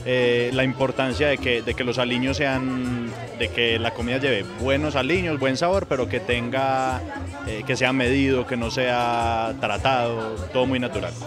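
A man's voice: medium pitch, steady tone, normal speed. Young man, restaurant representative; earnest, hesitant answers over background music. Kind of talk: news interview. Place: outdoor town square event. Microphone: handheld interview mic.

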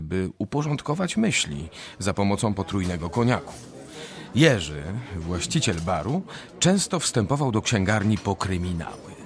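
Lowish, animated male narrator. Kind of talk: scripted narration of a radio drama.

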